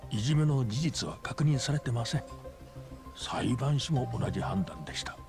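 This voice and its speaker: A man's voice: mid-range voice, very animated, gravelly. An actor playing a very old, courteous and grave school chairman in a video game drama, speaking formally and with measure. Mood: grave, guarded. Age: older. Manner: formal, polite, measured old man's delivery. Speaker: school board chairman, client. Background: background music.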